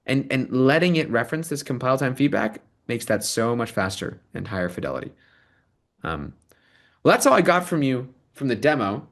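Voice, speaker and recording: A man leading a live software demo and then interviewing a guest over a video call, talking with eager energy and many ums. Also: mid-range voice, moderate pace. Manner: animated, enthusiastic, many ums and rights. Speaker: product manager giving a demo and host.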